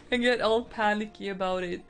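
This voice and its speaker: Slow, rambling young woman thinking aloud. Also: fairly low pitch. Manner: rambling, thinking out loud with many fillers and giggles. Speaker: artist streaming a painting session. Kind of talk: casual stream-of-consciousness chat. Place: indoors at home. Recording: faint background music.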